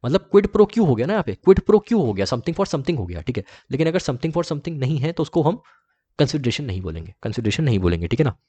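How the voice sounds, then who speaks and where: A man's voice: medium pitch, sing-song, mellow, breathy edge, highs cut off. Indian man teaching in a repetitive lecture. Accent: Indian English. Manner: repetitive, reassuring, reads rules slowly in English. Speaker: commerce tutor. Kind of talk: exam-prep lecture.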